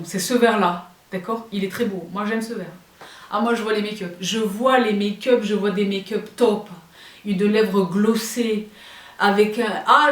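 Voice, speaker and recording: French woman, young, fashion vlogger, chatty, talks to her viewers, mid pitch, roomy sound, off-mic. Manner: chatty and expressive, addresses viewers as girls. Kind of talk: casual haul chat to viewers. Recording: roomy, a bit far from the mic.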